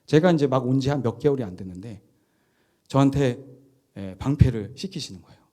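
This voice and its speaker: Animated middle-aged male pastor. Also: mid-range voice, brisk. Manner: lively anecdotal telling, chuckling often. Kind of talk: sermon with personal storytelling.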